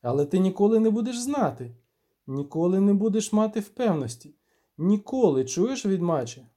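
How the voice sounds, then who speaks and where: A man voicing an old male wizard who is scornful and fussy, his pitch jumping up and down as he talks, in a dark-toned audiobook reading. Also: very animated, moderate pace. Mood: agitated.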